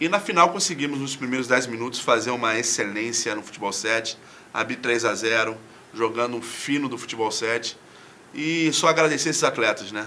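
Speaking with a Carioca accent, a man uses ordinary pitch variation over light background noise. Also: moderate pace. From Rio de Janeiro. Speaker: football coach. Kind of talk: studio interview. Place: studio.

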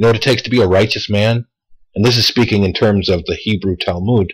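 Over a quiet background, a man speaks at a very fast pace in a fairly low pitch, somewhat breathy, with fairly even intonation. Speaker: video creator discussing spirituality. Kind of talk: solo monologue. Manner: casual, conversational. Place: home room. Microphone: headset.

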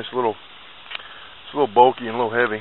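The speaker keeps a moderate pace. Noticeable background noise is present. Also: dry sound with no echo. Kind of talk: casual tutorial. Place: garden. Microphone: phone near.

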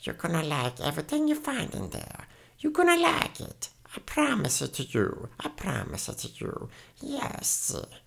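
A put-on character voice sits at a middle pitch. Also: moderate pace.

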